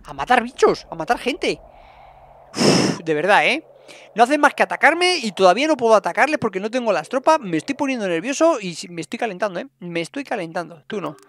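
A man's voice: high voice, sing-song, a little fast, a bit bright. A man giving casual let's play commentary, chatty and talking to his game characters. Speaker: gameplay streamer.

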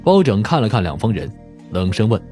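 A man's voice: fairly low pitch, big pitch swings, fairly quick, warm tone, soft background music. A man narrating a novel in a scripted, dramatic audiobook style.

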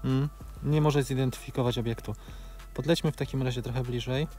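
A man's voice: mid-range voice, fairly even intonation, brisk, warm tone, faint music behind. A man in his forties gives a practical, step-by-step tutorial commentary while flying a drone outdoors, with filler sounds between phrases. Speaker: drone video creator. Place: outdoors in open grassland.

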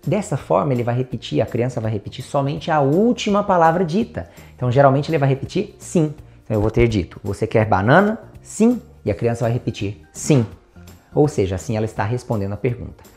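A man's voice: mid-range voice, expressive, fast, gravelly, a little mellow, faint music behind. A man with a Brazilian Portuguese accent, a child development specialist explaining a method step by step in an educational video. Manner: methodical, steps through examples.

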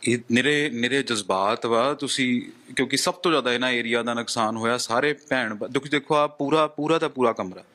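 A man's voice: medium pitch, fairly quick, few pauses, a bit bright. A man reporting on the spot from a flooded village, consoling the people he interviews in short, broken phrases. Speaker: news reporter.

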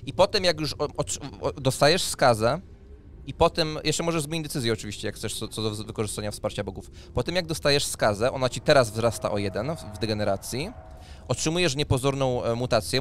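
A man's voice: mid-range voice, expressive, a little fast. A man in his thirties acting as game master, explaining rules and narrating a tabletop role-playing scene. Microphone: studio microphone on a boom arm. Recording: clear background noise.

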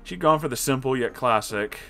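A man's voice: medium pitch, a little fast, a bit bright, faint music behind. A man reading an online story aloud, adding sarcastic asides of his own between passages. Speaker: story reader.

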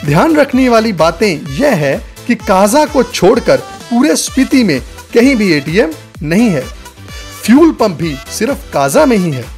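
A man's voice: high voice, big pitch swings, measured pace, a little mellow. A man narrating a travel guide as a scripted voice-over, speaking to viewers as friends. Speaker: travel vlogger. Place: voice-over, not recorded on location. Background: faint background music.

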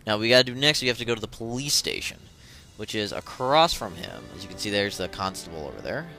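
A man's voice: on the low side, big pitch swings, fast, creaky, pushed and bright. A man giving a casual, irreverent, joking walkthrough commentary as host of a game video. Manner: irreverent, jokey interjections. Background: game music.

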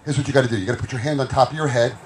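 Male stage hypnotist, rapid playful patter, repetitive and teasing, faint noise of a tent show behind him. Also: medium pitch, steady tone. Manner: playful, teasing, repeats words and phrases. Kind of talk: live comedy hypnosis show patter with volunteers. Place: inside a party tent, outdoors event. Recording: noisy party tent on camera microphone.

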